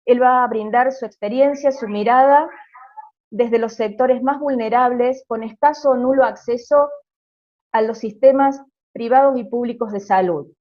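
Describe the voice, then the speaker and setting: A woman reading a formal, measured introduction of a guest speaker for her hospital's infection committee. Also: a little high, highs cut off. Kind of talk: read prepared speech.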